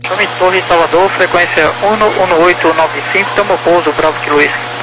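A man's voice: high voice, steady tone, moderate pace. A man working as a radar controller, giving clipped aviation instructions over a crackly radio. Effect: crackly radio transmission. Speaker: air traffic radar controller.

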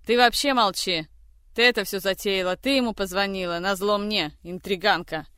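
A reader voicing a furious man who shouts harsh accusations in a tirade for an audiobook. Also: mid-range voice, normal speed, clean tone, no room sound, studio quality, natural voice. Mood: enraged. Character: furious man, a general's grandson, lashing out.

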